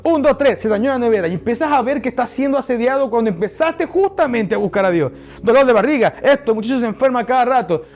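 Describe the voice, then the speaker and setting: A man's voice: extremely high pitch, darkish tone. A male pastor preaching a sermon, emphatic and speaking straight to his congregation.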